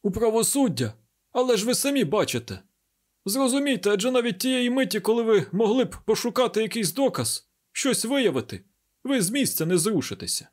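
A man voicing a frantic wealthy baron who has just been robbed, in a high, wailing, desperate voice. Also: very animated, brisk. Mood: pleading. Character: frantic wealthy old male baron collector.

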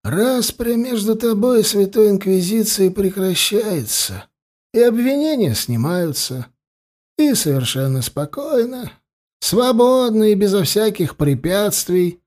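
A man voicing a calm, scheming old male high priest who speaks with soft, measured insistence. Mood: insistent.

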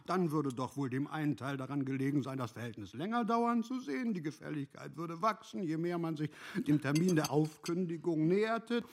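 A witty, worldly aristocratic man in a German radio drama. His voice sits high, and he tells stories in an animated, mischievous, teasing way. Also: fairly quick. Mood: amused, teasing. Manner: animated, amused storytelling.

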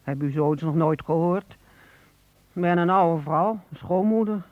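A woman's voice: fairly low pitch, no room sound, lightly acted. An actress playing a poor, grateful old woman chatting hesitantly in a radio play. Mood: grateful, plaintive. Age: older. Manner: hesitant, halting, chuckling. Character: poor, grateful, chatty old mother-in-law at a phone booth. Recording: narrow telephone-like old radio recording.

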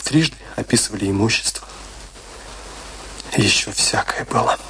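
An actor playing a troubled, compassionate middle-aged confidant in a radio play, speaking in an earnest, questioning, reflective way. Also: male voice, on the low side, normal speed, sharp tone, a little hiss or hum, rough recording. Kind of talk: theatrical radio play dialogue.

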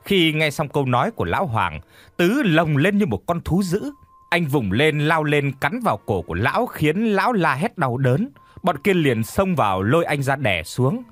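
Expressive male audio-story narrator. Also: a little high, no echo. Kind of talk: scripted dramatic narration.

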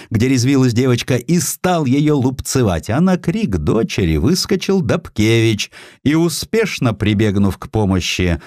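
A man narrating historical stories as an audiobook, in an expressive, theatrical manner. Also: mid-range voice, no room sound, studio quality.

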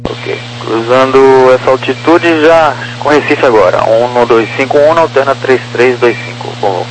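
A man working as an approach air traffic controller, giving formulaic clearances over aviation radio. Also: mid-range voice, normal speed, low-quality recording.

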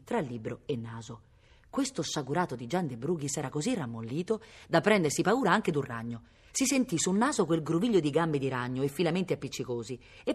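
A woman reading a novel aloud at a library, expressive and storytelling. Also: sits low, husky. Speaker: reader at a public library.

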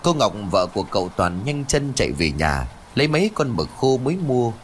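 A man narrating a ghost story in an animated, dramatic storytelling manner. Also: mid-range voice, fairly quick, slight background noise.

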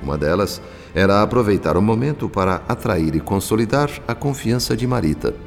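A man's voice: fairly low pitch, animated, fairly quick, creaky. A man with a Brazilian accent narrating a radio drama in a solemn, formal, literary manner. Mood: solemn, ironic. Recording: long reverb, soft music behind.

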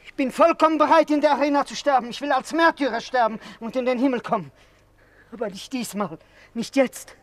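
Hysterical, high-pitched cowardly Christian prisoner. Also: male voice, a little fast, fairly bright tone, no room sound. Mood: frantic. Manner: hysterical, pleading. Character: terrified cowardly Christian convict, panicking and self-serving. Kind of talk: radio play acting.

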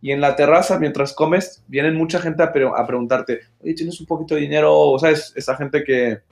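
A young adult man with a Mexican Spanish accent co-hosts a casual podcast chat, using slang and dropping in English phrases. His voice is a little high and brisk, with some vocal fry.

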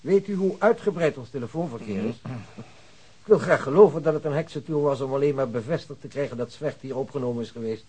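A man playing a self-assured hospital physician in a radio drama. He explains with pedantic precision in a measured manner, his middle-pitched voice carrying some roughness. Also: mellow, lightly acted, rough recording. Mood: mildly irritated. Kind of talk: Dutch radio drama dialogue.

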